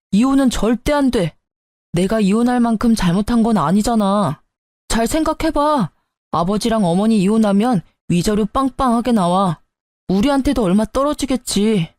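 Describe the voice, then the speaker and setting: A woman's voice: fairly high pitch, darkish tone, no room sound, clean studio sound, lightly acted. A woman voicing a defensive, self-justifying husband in a narrated family story, arguing and pleading with his wife.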